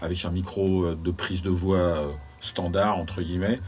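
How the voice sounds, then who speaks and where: Delivered in a monotone with flat intonation, the voice keeps a moderate pace. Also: man, very deep, low pitch for a man. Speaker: sound engineer. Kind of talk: interview answer. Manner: hesitant.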